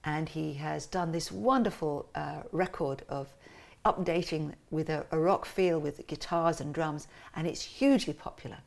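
A woman telling family and cultural stories as an interview guest in a lively, animated way. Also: deep voice, moderate pace, vocal fry, few pauses. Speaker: interview guest, musician and cartoonist. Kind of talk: casual conversational interview.

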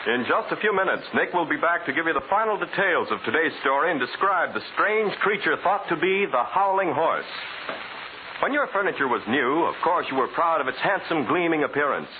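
A man's voice: fairly high pitch, lively intonation, a little fast. A man announcing in 1940s radio style, reading scripted copy with a polished, emphatic sales delivery. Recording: hissy, narrow-band 1940s radio recording.

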